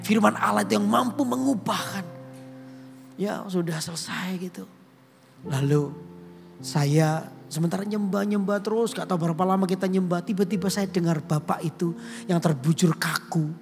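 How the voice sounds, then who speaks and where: A man's voice: sits high, moderate pace, gravelly. A male pastor preaching a sermon in a conversational storytelling way, often turning to the congregation directly. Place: church auditorium. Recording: reverberant church hall with instrument music.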